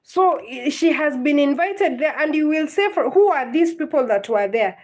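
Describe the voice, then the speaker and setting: A woman's voice: sits high, lively intonation, moderate pace. A woman, teaching literature in a live-streamed lesson, patient and repetitive, often checking whether her students understand. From Kenya.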